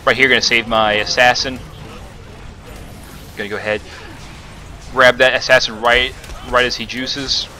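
Bright-voiced man narrating his gameplay. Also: mid-range voice, flat delivery, moderate pace, long pauses, slight background noise. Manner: rambling, many fillers and self-corrections. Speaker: gaming commentator. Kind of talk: casual gameplay commentary.

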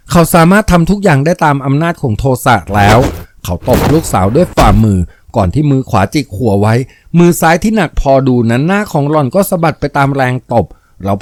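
A man narrating a novel aloud in a steady, vivid storytelling manner. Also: medium pitch, no room sound, clean studio sound. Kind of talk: dramatic novel reading.

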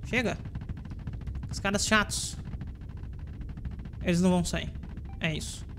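A woman with a Brazilian Portuguese accent hosting a let's play, chatty and playful, teasing the enemies out loud as she plays. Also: on the low side, fairly even intonation, unhurried, a little hiss or hum. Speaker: gaming channel host.

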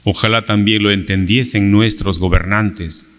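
Slow-preaching priest in a church. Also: male voice, lowish voice, steady tone, a bit bright. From Peru. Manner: slow, measured preaching with gestures and rhetorical questions. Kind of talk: homily at Sunday Mass. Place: large church, at a pulpit. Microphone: pulpit microphone on a stand. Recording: long church reverb.

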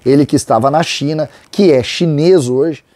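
A man's voice: a little high, moderate pace, darkish tone, dry recording. A middle-aged man from Rio do Sul hosts opinionated football commentary straight to camera in a small studio, speaking conversationally into a lapel mic and stretching out key words for emphasis. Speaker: sports commentator and host. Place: small studio with a branded backdrop, indoors.

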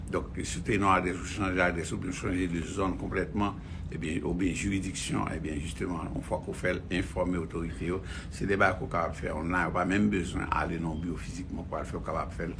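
A Haitian man delivers loose, rambling news commentary, circling back over his own phrases. His voice sits very low with a rough, gravelly edge. A clear layer of noise runs under the recording. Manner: rambling, repeats phrases, many fillers.

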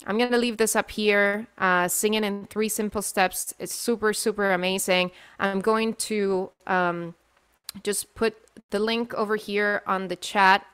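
Young female vocal coach, chatty webinar host, smooth voice, dry webcam sound. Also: mid-range voice, fairly bright tone, no echo. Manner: chatty, many fillers and restarts. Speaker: singing teacher hosting a webinar. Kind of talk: live webinar talk. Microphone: webcam mic on video call.

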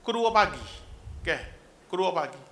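A Kelantanese man preaches in a high, bright voice. He talks animatedly, slipping jokes in among earnest exhortations. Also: normal speed. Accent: Kelantanese Malay. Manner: animated, mixes humour with exhortation. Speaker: religious preacher. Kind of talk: religious lecture.

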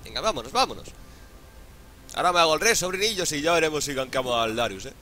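Crude, bright-voiced Spanish gamer guy, hungover. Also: fairly high pitch, lively intonation, fast talker, a little hiss or hum. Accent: Spanish (Spain). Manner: crude, jokey, profane slang. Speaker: gaming YouTuber. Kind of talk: casual gameplay commentary.

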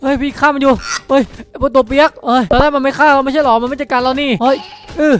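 Fast-talking excitable young man gaming. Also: very high-pitched. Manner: exclamatory, urgent, repeats words rapidly. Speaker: gaming video host. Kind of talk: excited Minecraft roleplay commentary. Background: background music.

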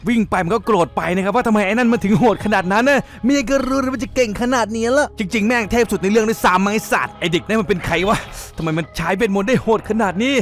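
A man narrating a casual manga spoiler recap in an excitable, crude, joking manner. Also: sits high, quick pace, hardly any pauses, faint music behind.

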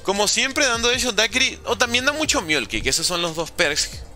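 With faint music behind him, a gaming streamer speaks a little fast in a high, expressive voice that sounds pushed and bright. He keeps the livestream casual and playful, cracking jokes, using slang, and reading chat aloud to reply.

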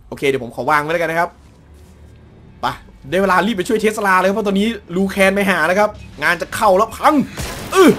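A young man hosts a gaming let's play, speaking close to the mic with a fairly high voice. He grows excitable and bursts into exclamations as the fights heat up. Faint game music runs underneath. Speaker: gaming channel host. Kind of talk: let's play commentary and live translation of game dialogue.

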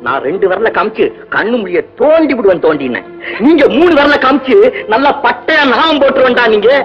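An actor playing a naive, boastful village cowherd in a 1960s film, speaking in rustic colloquial talk. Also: male voice, very high voice, very animated, a little fast. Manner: rustic colloquial speech, comic boasting, exclaiming. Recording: dull old film soundtrack with music.

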